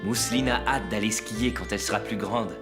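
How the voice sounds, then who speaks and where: A man's voice: fairly low pitch, brisk, over music, lightly acted. A man voicing a cheerful, kindly, easygoing young father in a children's cartoon. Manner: animated, kindly.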